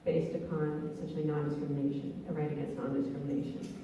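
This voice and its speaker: A woman attorney fields questions from the audience in a measured, hedging way. Her voice is low and dark. It rings through a reverberant church hall, picked up from well back. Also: flat delivery, slight background noise. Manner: measured, hedging, thinks aloud. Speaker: attorney on a panel. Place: church hall at a public meeting. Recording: roomy hall, mic far off.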